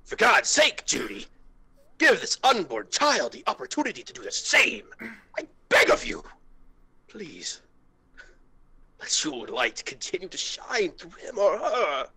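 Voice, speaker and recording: A man voicing a hurt, bitter adult male fox, pleading with halting intensity in an amateur comic reading. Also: high-pitched, wildly swooping pitch, vocal fry, sharp tone, husky, pitched above the performer's own voice, heavily acted. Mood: desperate pleading.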